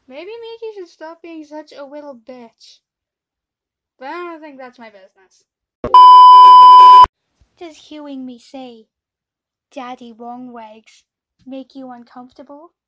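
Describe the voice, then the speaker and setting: Anime parody schoolgirl, thirteen adult woman performing. High voice, unhurried theatrical delivery, brash and self-deprecating. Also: darkish tone, low-quality recording. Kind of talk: scripted comedic character voice reel.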